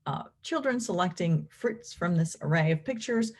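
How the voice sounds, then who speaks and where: Low, husky woman lecturing. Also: animated, normal speed, darkish tone. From Venezuela. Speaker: clinical professor and behavior analyst presenting research. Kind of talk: explanatory academic lecture.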